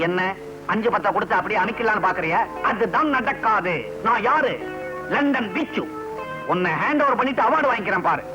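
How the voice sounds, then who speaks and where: An actor playing a boastful, excitable comic man back from abroad, in a 1980s Tamil film comedy scene, with English mixed into his talk. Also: high-pitched, fairly quick, highs cut off, music in the background. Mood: indignant.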